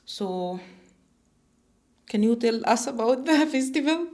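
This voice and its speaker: A woman's voice: fairly high pitch, lively intonation, slow, darkish tone. A woman, co-hosting a podcast in a studio and speaking hesitantly with many fillers. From Egypt. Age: 20s. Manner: hesitant, many "uh" fillers, asks guests questions. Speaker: podcast co-host. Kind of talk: casual podcast chat. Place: small studio.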